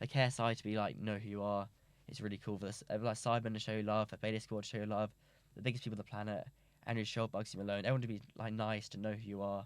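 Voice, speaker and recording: The man's voice sits fairly low in pitch. He talks at a very fast pace in a monotone, flat intonation. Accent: London. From London. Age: 20s. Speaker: boxing interviewer and influencer. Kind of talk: podcast interview.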